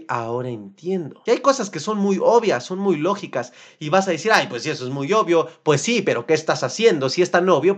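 A young adult man with a Mexican accent giving a motivational self-help talk, animated and mimicking whiny complaining voices now and then. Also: high-pitched.

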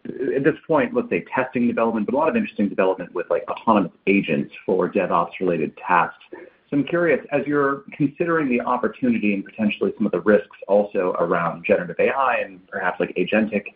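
Lowish male analyst on tinny phone line. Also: expressive, fast talker. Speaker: financial analyst asking questions. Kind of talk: earnings call question.

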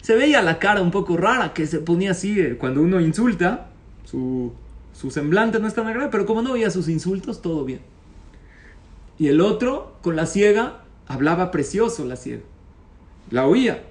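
A man telling a parable as a religious teacher, animated, acting out the characters and quizzing his audience. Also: high-pitched, normal speed, distant mic. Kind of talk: storytelling sermon.

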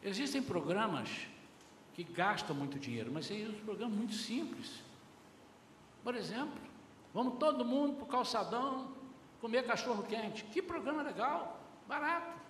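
A middle-aged pastor preaches with a high, lively, bright voice, swinging his pitch widely as he acts out family scenes. His sermon rings through a reverberant church hall with a faint hum of the room behind him. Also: moderate pace. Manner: animated preaching, acting out family dialogues.

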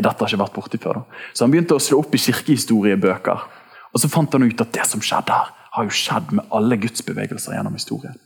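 A man preaching in a lively, casual way, throwing in slang as he addresses his church. His voice sits fairly low and has a gravelly, husky edge. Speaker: pastor. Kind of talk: sermon.

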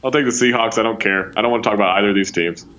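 A man's voice: on the low side, racing, fairly bright tone, lo-fi sound. A man co-hosting a casual sports podcast, ranting and exasperated, swearing now and then. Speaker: podcast co-host.

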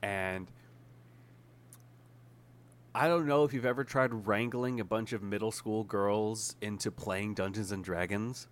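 A young man, a guest on a casual podcast, telling animated stories and laughing often. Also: fairly low pitch, a little slow, pauses often. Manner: animated storytelling with frequent laughs. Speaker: guest YouTuber.

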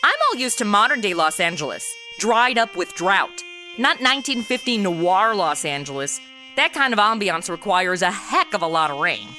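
A woman's voice: mid-range voice, expressive, normal speed, sharp tone, faint music behind. An actress playing a sarcastic, slangy modern young American woman stuck in an old radio noir comedy, narrating and bantering with exasperation. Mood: wry. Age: young adult. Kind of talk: comedic audio drama, first-person narration and dialogue.

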